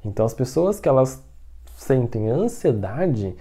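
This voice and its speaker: Guy teaching mandarin online, says the lines real slow then chats, keeps going né tá, kinda mellow dark voice. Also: medium pitch, very animated, husky. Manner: slow drilled Mandarin, chatty Portuguese asides with "né?" and "tá?". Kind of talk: online language lesson.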